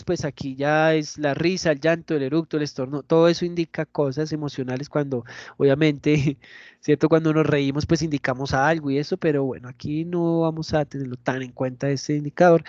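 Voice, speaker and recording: A man giving an online lecture in a lively, demonstrative way, often checking in with his listeners. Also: fairly high pitch, no room sound, dull audio.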